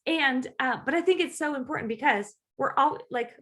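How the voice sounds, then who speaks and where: A woman's voice: sits high, moderate pace. A woman co-hosting a casual Christian podcast, telling stories informally with exclamations and acted-out reactions. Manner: animated, exclamatory, acts out quoted reactions. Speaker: podcast host.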